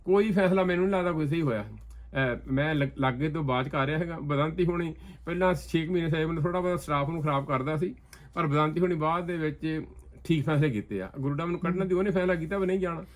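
A man speaks at a rapid clip in a political discussion. His voice sits a little high and he talks emphatically, now and then sinking quieter for an aside. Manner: talks fast, emphatic, often animated, drops low for asides. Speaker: interview guest.

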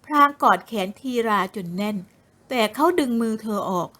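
A woman narrating a novel in a slow, measured storytelling manner. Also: on the high side, lively intonation, bright, forceful tone. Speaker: audiobook narrator.

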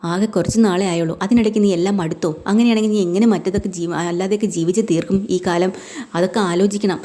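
A woman voicing a brisk middle-aged mother who scolds her daughter but reassures her. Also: mid-range voice, steady tone, dark tone, natural voice.

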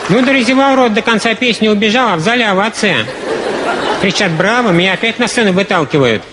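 Male stand-up, high voice, live stage set, audience roaring and hall loud around him. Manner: deadpan storytelling with quick shifts into voiced characters. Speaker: stand-up comedian. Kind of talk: humorous monologue performed on stage. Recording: loud crowd and noise of a live show. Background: laughing audience.

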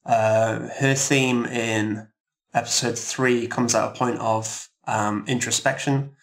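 A man speaks as a composer in a roundtable interview, choosing his words thoughtfully. His delivery is fairly even in pitch, with some creak and gravel in the voice. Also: takes it slowly. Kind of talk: explanatory interview talk.

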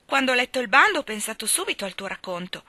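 Bubbly teen girl as a woman reads her, high and bright, gushing fast. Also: very animated, no echo, exaggerated voice. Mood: excited. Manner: eager, breathless, bubbly. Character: excited chatty teenage girl friend.

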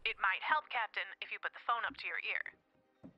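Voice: medium pitch, moderate pace, muffled recording. A performer playing a dutiful, patient starship communications officer in a comic audio drama, heard through a telephone filter.

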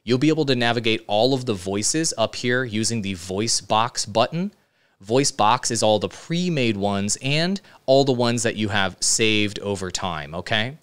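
A man's voice: lowish voice, animated, unhurried, fairly bright tone, smooth. A man, giving casual, emphatic step-by-step instruction as a tutorial host, checking in with listeners. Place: indoor studio with computer.

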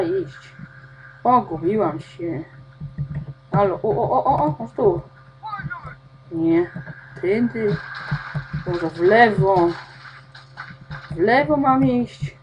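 A woman's voice: medium pitch, darkish tone, slight background noise, low-quality recording. A woman playing a video game, talking to herself and swearing constantly as she gets lost and frustrated. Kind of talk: swearing gameplay commentary.

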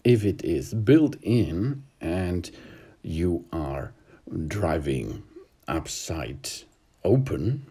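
A man's voice: low voice, big pitch swings, dark tone, breathy edge. A man giving a hesitant, methodical instructional walkthrough from inside a car, recorded on a handheld phone. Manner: hesitant, methodical, with many pauses. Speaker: car tutorial presenter.

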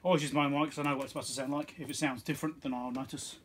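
Talking very fast in a mid-range, slightly bright voice, a repair technician and video host thinks aloud at his cluttered little electronics bench. His intonation stays fairly even and his remarks are casual and muttered, with a little background noise.

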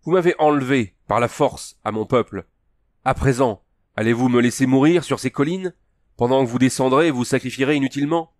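A man's voice: medium pitch, measured pace, warm tone, dry recording, studio quality, voice pushed up, lightly acted. A man doing a commanding royal woman. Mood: reproachful. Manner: imperious, insistent pleading. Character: proud young royal woman, commanding and urgent.

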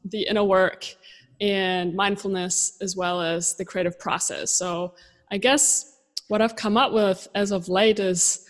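A woman's voice: medium pitch, steady tone, measured pace, big-room sound. A woman from southern Germany in her thirties, a guest in a casual interview, speaking English with an easygoing, reflective manner and frequent laughter. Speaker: podcast guest. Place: home room, indoors. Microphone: video call with desk microphone.

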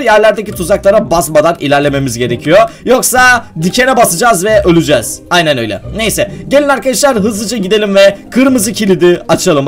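Excitable young man commenting on a game. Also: high-pitched. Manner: excitable, addresses viewers as friends, gets worked up at traps. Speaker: gaming YouTuber.

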